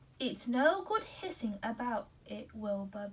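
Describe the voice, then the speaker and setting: Someone puts on a character voice and delivers it at a fairly slow pace. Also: woman, fairly high pitch for a woman. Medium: read story.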